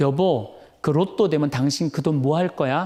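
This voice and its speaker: In a nasal, put-on character voice, a man talks at a fairly high pitch and moderate pace on a very clean recording with a silent background. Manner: coaxing, cutesy.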